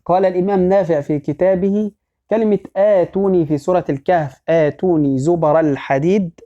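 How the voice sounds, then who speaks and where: A man teaching a recorded religious lesson, explaining patiently, repeating phrases and quizzing listeners, and slowly chanting verse and poem lines. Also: high voice, warm tone. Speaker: teacher of Quran orthography. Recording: dull lo-fi audio.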